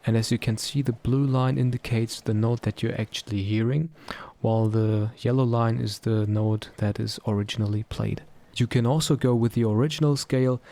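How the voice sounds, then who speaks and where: A man presenting a software tutorial in a casual, explanatory style. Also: fairly low pitch, creaky.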